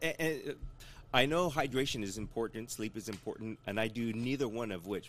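A man speaks fairly quickly in an ordinary speaking voice. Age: 60s. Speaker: podcast host. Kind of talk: interview.

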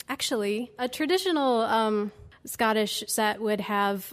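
Speaking in an American accent, a woman with a normal speaking voice keeps a moderate pace and a fairly high pitch with ordinary pitch variation. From western New York. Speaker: fiddler and violist. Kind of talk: casual interview. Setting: stage with audience.

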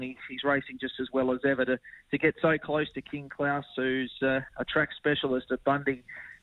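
A man speaks at a moderate pace with an Australian accent. His pitch is fairly high. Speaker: race caller. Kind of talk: race commentary and radio chat. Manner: animated.

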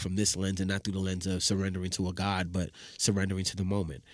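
A man's fairly low voice, dry and close with no echo, on a very clean recording with a silent background. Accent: American. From New York City, the Bronx. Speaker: author and poet. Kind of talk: casual chat. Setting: studio.

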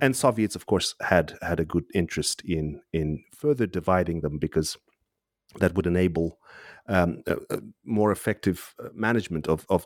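A man with an Uzbek accent speaks at a fairly slow pace, his very deep, low pitch carried by lively intonation. The sound is dry and close with no echo, a very clean recording over a silent background. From Uzbekistan. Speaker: historian. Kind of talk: interview.

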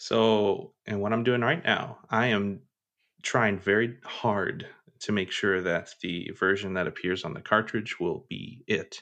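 Against a quiet background, a man with a bright, sharp tone speaks at a fairly low pitch. His intonation is fairly even and his pace fairly slow. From Kentucky. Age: 30s. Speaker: game developer. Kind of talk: casual interview. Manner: halting, many fillers.

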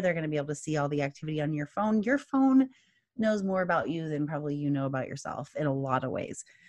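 Very fast, lively speech from a woman with a fairly low pitch. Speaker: fraud prevention expert and podcast co-host. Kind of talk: casual podcast conversation.

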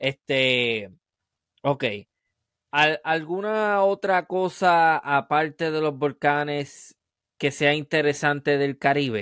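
With a Puerto Rican accent, a man speaks at a fairly high pitch with big swings in loudness, in a dry, close sound with no echo against a quiet background. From Puerto Rico, Coamo. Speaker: podcast host. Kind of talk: interview.

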